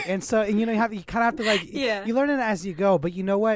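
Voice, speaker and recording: At a fairly quick pace, a man speaks in a very clean recording with a silent background. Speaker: podcast guest, professional drummer. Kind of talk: casual conversational. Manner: fast talker; excited, energetic.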